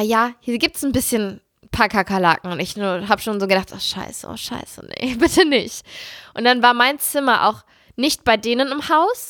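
A woman telling a story in casual chat, animated and dramatic, jumping up into squeals when she relives the fright. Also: fairly high pitch, no echo, clean studio sound.

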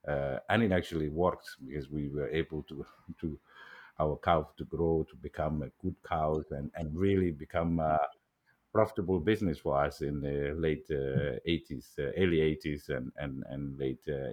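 Middle-aged Somali-accented man, very deep voice, interview guest, halting with restarts. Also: steady tone, a little mellow, highs cut off. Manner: halting, many fillers and restarts. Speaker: guest, agriculture executive. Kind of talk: casual interview talk.

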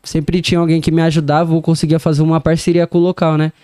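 A man's voice: on the high side, little pitch movement, fast, dark tone, clean tone, dry recording, clean studio sound. A young man telling stories as a podcast guest, easygoing and full of slang. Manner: laid-back street slang, storytelling, laughs often. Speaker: DJ and music producer guest. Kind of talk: casual podcast interview.

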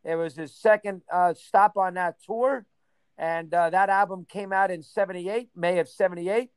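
A man in his sixties, reminiscing in a casual interview, rambling and rattling off names in quick bursts. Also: sits high, fairly even intonation, clear, resonant tone, no echo. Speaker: interview guest.

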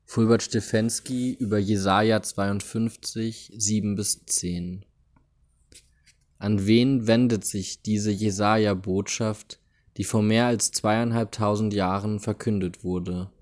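A man hosting a podcast, reading a devotional text aloud in a deliberate, solemn way near a busy street. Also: lowish voice, fairly even intonation, darkish tone. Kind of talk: slow, measured reading of a spiritual text.

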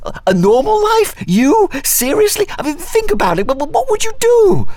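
A man's voice: extremely high pitch, huge pitch swings, moderate pace, a little mellow, no room sound, exaggerated voice. An actor playing an older, cornered crime boss in an audio drama, smug and wheedling, stammering as he justifies himself. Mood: panicked pleading.

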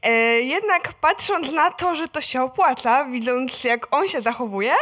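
A woman's voice: sits high, measured pace, fairly bright tone. A woman in an audience sharing a personal experience spontaneously at a live event.

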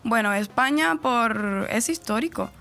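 Over soft background music, a woman with a slightly high, creaky, bright and forceful voice speaks in an animated but unhurried way. A radio presenter from Camagüey with a central-eastern Cuban accent, she's a guest in a casual radio interview, chatting at length, explaining in detail and laughing easily.

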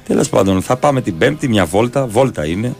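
A man co-hosting a morning show, chatting casually and telling stories in a joking, animated way. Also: fairly low pitch, vocal fry, soft background music. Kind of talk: casual banter.

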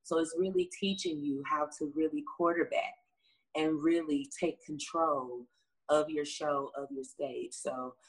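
A woman's voice: low-pitched, steady tone, measured pace, slightly rough, poor audio. A woman from the American South, a singer, chatting upbeat in an interview with many fillers. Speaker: singer, guest. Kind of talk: casual interview answers.

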